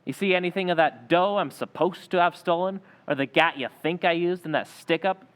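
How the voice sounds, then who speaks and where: A man's voice: on the high side, brisk, a bit bright, smooth, close to an everyday voice. A man playing a brash, defiant young suspect with slangy tough talk in an old-time radio drama. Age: young adult.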